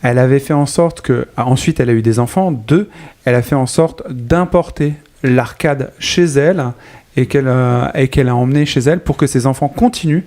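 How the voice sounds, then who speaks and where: A man hosting a casual panel show, telling quick, animated stories. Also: mid-range voice. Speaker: host.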